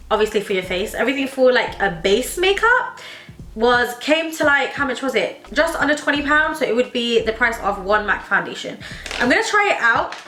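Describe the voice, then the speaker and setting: A woman's voice: sits high, bright, forceful tone, echoey room. A young woman with a slightly wheezy voice from hay fever, chatting through a makeup tutorial in her home makeup room, enthusiastic and full of "like" fillers. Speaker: beauty vlogger. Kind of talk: casual makeup tutorial chat.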